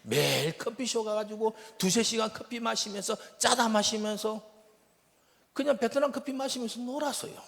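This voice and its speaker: A man with a Gyeongsang accent preaching a sermon as a missionary, shifting from loud bursts to hushed whispers. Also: high voice, normal speed, gravelly. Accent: Gyeongsang Korean. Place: church sanctuary. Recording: long reverb of a church hall.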